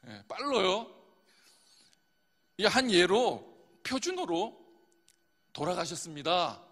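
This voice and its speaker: High lively-voiced male pastor preaching. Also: slow pace. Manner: asks the congregation questions and answers them himself. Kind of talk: sermon. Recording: long hall reverb.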